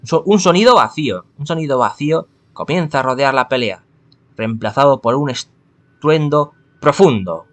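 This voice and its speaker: A man's voice: medium pitch, expressive, normal speed, a bit bright. A man with a Spanish accent from Spain, reading a visual novel aloud and stumbling, often correcting himself and adding asides. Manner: stumbling, frequent self-corrections.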